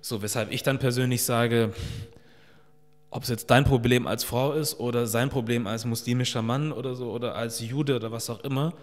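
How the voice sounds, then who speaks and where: A man in his thirties hosts a podcast at a mid pitch, relaxed and thoughtful. He keeps dropping in small fillers as he works through his points. His voice rings with a long reverb in the bare room. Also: moderate pace. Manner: relaxed, reflective, uses many fillers like "so" and "ähm". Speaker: podcast host. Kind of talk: casual interview talk. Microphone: studio mic on a stand.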